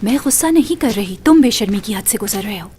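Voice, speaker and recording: A woman voicing a sharp-tongued young woman who rebuffs a pushy suitor, curt and indignant. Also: mid-range voice, lively intonation, brisk, a little hiss or hum, close to an everyday voice.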